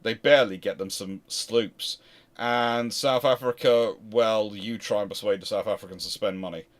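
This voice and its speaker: A man's voice: on the low side, fairly even intonation, moderate pace. A British man in a casual livestream history discussion, hosting and answering questions in a rambling, emphatic way that often interrupts itself. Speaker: host answering viewer questions.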